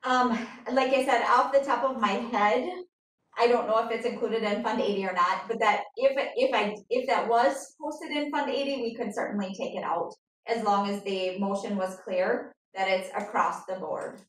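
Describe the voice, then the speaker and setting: A woman on district staff explaining budget figures at a school board meeting, careful and hedging, with many pauses and ums, heard over a video call. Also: mid-range voice, a bit bright. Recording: echoey distant video-call audio.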